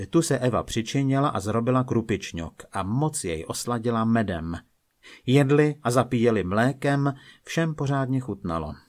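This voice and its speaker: Man, storyteller, folk legends, calm measured reading, mid pitch. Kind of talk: scripted narration of folk legends.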